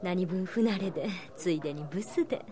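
A woman playing a polite but sly, sharp-tongued young waitress in an anime audio drama. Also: fairly low pitch, fairly quick, a crowd in the background, close to an everyday voice. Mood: sugary, apologetic. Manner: honeyed politeness with barbed asides. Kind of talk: Japanese anime-style audio drama acting.

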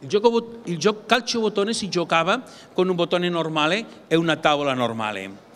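Halting Catalan-accented man, reverberant amplified sound. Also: fairly high pitch, lively intonation, fairly bright tone, slight background noise. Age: middle-aged. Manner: halting, searching for words in non-native Italian. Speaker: conference speaker presenting games. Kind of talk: prepared public presentation. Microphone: gooseneck table microphone.

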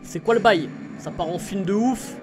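A man's voice: high-pitched, moderate pace. A man giving casual, rambling reaction commentary to a music video as a YouTuber, full of slang and calling his viewers bro.

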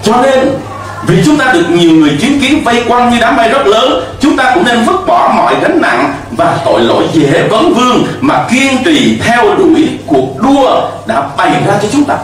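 A man's voice: extremely high pitch, sing-song, normal speed, heavy reverb, far from the mic, low-quality recording. A middle-aged man preaching a sermon from a church pulpit into a handheld mic, emphatic, with call-and-response to the congregation. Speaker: pastor. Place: church stage with pulpit and cross.

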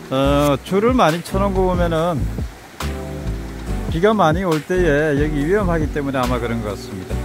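A hiking vlogger with a slightly high voice narrates a mountain hike as he walks, casually and unhurriedly pointing out the trail and the sights. It was recorded outdoors on a handheld camera.

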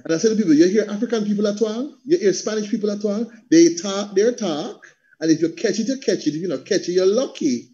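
A man's voice: high-pitched, fast talker. A middle-aged man with a Jamaican accent talking passionately and rhythmically on a panel video call, slipping into patois. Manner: animated, rhythmic, slips into patois. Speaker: panel guest, theatre practitioner and coach. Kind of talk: passionate conversational talk. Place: indoor room at home on a video call. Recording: dull video call audio.

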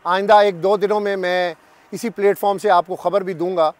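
A man in his fifties with a Pakistani Urdu accent speaks with a high-sitting voice, flat delivery and a fairly quick pace. A cricket journalist, he gives emphatic, repetitive commentary straight to camera from a sunny garden outdoors.

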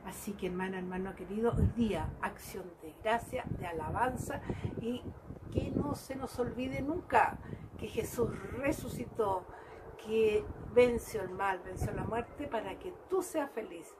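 A woman's voice: medium pitch, a little slow, noisy background. A woman giving a fervent devotional reflection and calling her listeners dear brothers. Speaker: lay preacher. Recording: music playing behind her.

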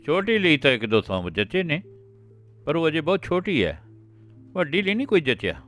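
A man voicing an older village grandfather in an audiobook, worried and earnest, raised well above his usual pitch. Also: very animated, normal speed, fairly bright tone, faint music behind. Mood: earnest deliberating.

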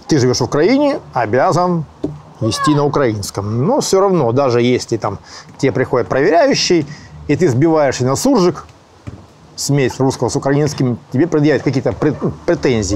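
A man's voice: medium pitch, very animated, moderate pace, a little mellow, a little hiss or hum. A man explaining things in an interview, recorded outside in a yard. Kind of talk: explaining, conversational. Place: outdoor yard.

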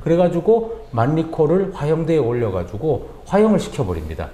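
A man retelling an opera's story in a lively way, acting out the characters' lines as he goes. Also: fairly high pitch, brisk. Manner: animated, acts out characters' lines in quotes. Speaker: music critic guest. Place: coffee bar. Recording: roomy echo.

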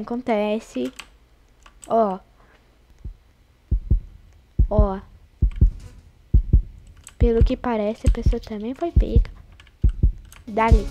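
A woman narrates her gameplay in a casual, chatty stream of commentary, always addressing her viewers. Her voice sits high, and keyboard typing is faintly audible behind her. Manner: chatty, talks to viewers constantly, diminutives. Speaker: gaming channel host.

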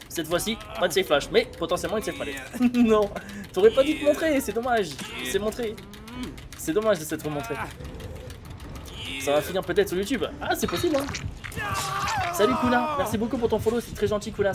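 A young man with a French accent commenting live on a game, excitable and laughing as he chats with viewers. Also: sits high. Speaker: streamer. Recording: music playing behind.

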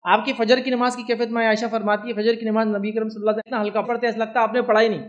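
A man delivers an Islamic lecture in rapid-fire, high-pitched speech with little pitch movement, captured in lo-fi sound. He has an Indian Hindi-Urdu accent, speaks in a chatty way, and repeatedly asks listeners whether they understand.

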